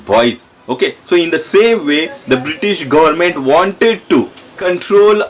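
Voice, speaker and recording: A male schoolteacher with an Indian accent speaks in a fairly high voice. He explains his lesson to students directly, repeating key phrases and putting questions to them as he goes. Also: animated, unhurried. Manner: repetitive, asks questions and checks in with students. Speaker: school history teacher.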